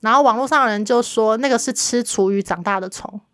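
Fast-talking woman with a Taiwanese accent. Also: on the high side, no room sound, clean studio sound. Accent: Taiwanese Mandarin. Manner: lively storyteller, acts out her mother's lines. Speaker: podcast co-host. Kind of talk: casual chat.

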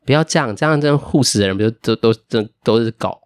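A man's voice: medium pitch, fast, clear, resonant tone, no echo. A man with a Taiwanese Mandarin accent co-hosting a casual podcast, joking and rambling with restarts. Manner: jokey, rambling restarts, playful self-mockery. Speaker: podcast co-host. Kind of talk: casual chat.

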